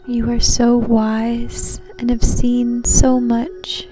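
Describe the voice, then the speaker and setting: A woman leading a guided meditation in a soothing, gentle, unhurried manner. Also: on the high side, monotone. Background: soft background music.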